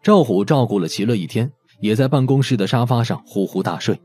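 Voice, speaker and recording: Guy narrating an audiobook, soft dark tone, lots of intonation, bit of music behind. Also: medium pitch, lively intonation, a little fast, breathy edge. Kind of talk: expressive scripted audiobook narration.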